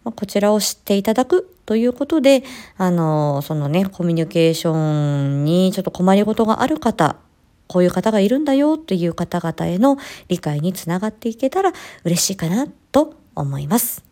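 A woman who works as a speech-language-hearing therapist introduces a rebroadcast episode of her podcast, speaking politely with frequent filler pauses. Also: on the low side, sing-song, mellow.

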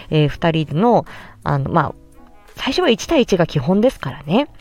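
A woman speech therapist hosting a solo podcast, explaining gently with many pauses and fillers. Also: lowish voice.

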